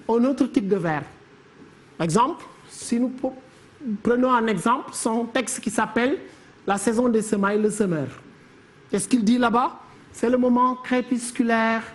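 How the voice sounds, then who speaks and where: A woman teacher giving a televised literature lesson, counting syllables slowly and deliberately. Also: on the high side.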